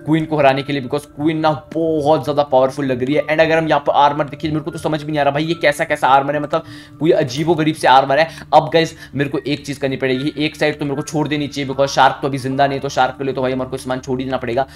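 A young man giving excitable Minecraft gameplay commentary, with frequent sudden jumps in pitch. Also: fast talker. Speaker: gaming YouTuber. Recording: music bed behind the voice.

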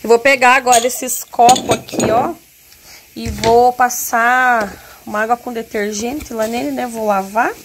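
A woman's voice: on the high side, steady tone, a little slow, background noise. A woman with a Brazilian Portuguese accent from Paraná, chatting casually through her cooking in a home kitchen and often checking in with her viewers. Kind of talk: casual step-by-step cooking narration. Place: home kitchen with wood stove. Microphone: phone camera. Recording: food sizzling in the background.

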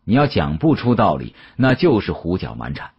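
A man narrating an audiobook as a dramatic storyteller, with an expressive, conversational delivery. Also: sits low, normal speed, breathy edge, lo-fi sound.

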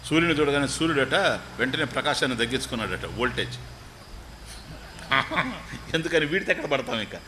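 A man, a spiritual teacher, giving a storytelling religious discourse. He chants scripture verses slowly, then explains them in everyday talk with jokes. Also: medium pitch, expressive, background noise.

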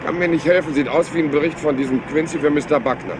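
An actor playing a rumpled, polite police inspector in a crime radio play, hesitant and rambling as if scatterbrained. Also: male voice, a little high, fast, background noise, close to an everyday voice. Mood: musing, chatty. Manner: hesitant, rambling, courteous, mock-modest.

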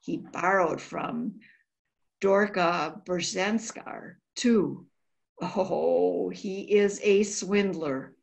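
An older woman gives a dramatic, emotional, halting reading of a diary. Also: on the low side, gravelly. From United States. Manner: emotional, halting, sighing delivery. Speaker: volunteer diary reader. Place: indoor room by a window.

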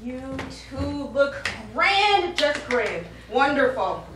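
A woman's voice: high-pitched, sing-song, takes it slowly, reverberant, distant mic, noisy background, heavily acted. A woman on stage playing a bossy, exasperated, foul-mouthed theatre stage manager, brash and emphatic. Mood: wry. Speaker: stage actor. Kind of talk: live stage comedy acting. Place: small indoor theatre stage. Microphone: far camera.

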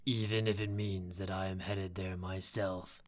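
A man's voice: sits low, flat delivery, unhurried. An actor playing a proud, bitter man full of cold hatred in an audio drama, speaking in clipped phrases.

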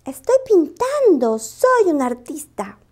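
A woman voicing an eager young male wolf cub in a storybook, speaking excitably. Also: extremely high pitch, slow, pitched above the performer's own voice, heavily acted. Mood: excited.

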